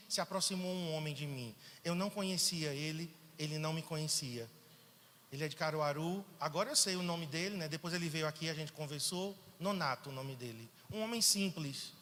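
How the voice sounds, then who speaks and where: High, bright-voiced Brazilian pastor preaching. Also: male voice, a little hiss or hum. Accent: Brazilian Portuguese, Pernambuco. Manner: animated storytelling, acts out quoted dialogue. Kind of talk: sermon with personal testimony. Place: church sanctuary. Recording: church hall reverb.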